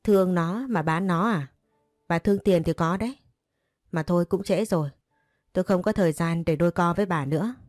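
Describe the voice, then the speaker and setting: A woman's voice: lowish voice, fairly quick, darkish tone, no room sound, clean studio sound, soft background music, lightly acted. Scornful rich older woman, as a female narrator puts her on. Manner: scornful and impatient. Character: haughty rich older woman buying a girl.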